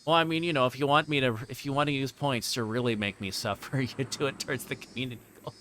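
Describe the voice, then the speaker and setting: A man's voice: medium pitch, fairly even intonation, fast talker, sharp tone. Man livestreaming, faint background noise. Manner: rambling, joking with viewers. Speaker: livestreamer playing a visual novel. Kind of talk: reading game text aloud mixed with casual stream chat.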